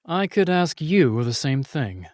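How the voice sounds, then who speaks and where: A man's voice: a little high, sing-song, slow, a little mellow, no room sound, clean studio sound. A man playing a stern, protective royal guardian in a fantasy audio drama, speaking in a firm, serious way. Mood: suspicious, stern.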